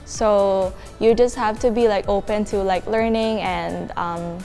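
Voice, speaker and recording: A woman's voice: medium pitch, steady tone, unhurried, creaky, dark tone, faint music behind. A young woman from the Philippines, a university student, chatting casually about student life and filling her talk with "like". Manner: chatty, many filler likes. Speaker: international student.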